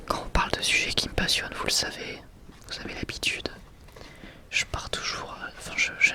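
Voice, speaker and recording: An ASMR creator whispering breathily and close to the mic in a casual, rambling, enthusiastic way, often correcting themselves.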